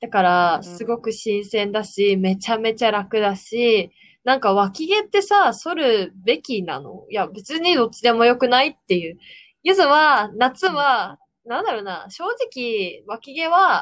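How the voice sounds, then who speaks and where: A woman with a fairly high pitch talks at a fairly slow pace, her loudness swinging a lot and her pitch swinging very widely. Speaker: podcast host. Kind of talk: casual chat.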